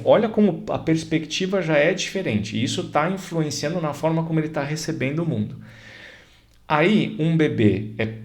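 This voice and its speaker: Brazilian man explaining astrology casually. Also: mid-range voice. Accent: Brazilian Portuguese. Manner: conversational, repeats examples, checks in with "certo?" and "tá?".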